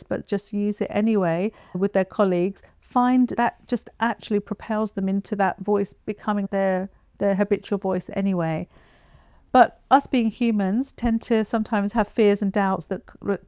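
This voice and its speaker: A woman giving an informal instructional talk as a voice therapist, in a measured, conversational, explanatory way. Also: medium pitch, dark tone, clean tone, no room sound, clean studio sound. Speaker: voice therapist presenting advice.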